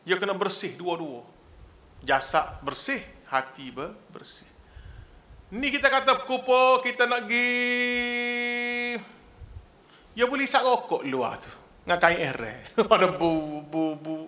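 A Kelantanese man preaches in a high, bright voice. He talks animatedly, slipping jokes in among earnest exhortations. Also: normal speed. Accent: Kelantanese Malay. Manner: animated, mixes humour with exhortation. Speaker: religious preacher. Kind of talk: religious lecture.

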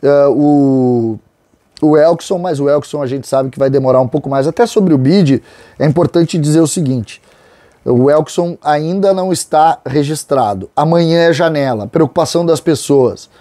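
A man's voice: a little high, moderate pace, mellow, no room sound. A middle-aged man from Rio do Sul hosts opinionated football commentary straight to camera in a small studio, speaking conversationally into a lapel mic and stretching out key words for emphasis. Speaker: sports commentator and host. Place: small studio with a branded backdrop, indoors.

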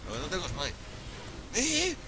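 A young man from Spain with a Spanish accent, commentating his own game excitedly, swearing and laughing often. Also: mid-range voice, fast talker, a crowd in the background. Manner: excitable, profane, laughs often, calls viewers "sobrinillos". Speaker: gaming YouTuber.

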